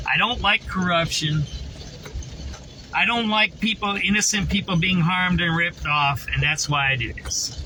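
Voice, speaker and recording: With a Chicago accent, a man speaks at a high pitch and a moderate pace. His pitch variation is ordinary, and noticeable background noise is present. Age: 50s. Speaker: livestreamer and citizen reporter. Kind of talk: casual live-stream monologue. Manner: casual, repetitive, with false starts.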